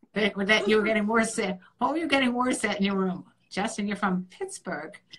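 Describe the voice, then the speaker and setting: A woman with a slight Chicago accent at a fairly quick pace, with ordinary pitch variation. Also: fairly high pitch for a woman. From Chicago, US Midwest. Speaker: co-host, author. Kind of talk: casual chat.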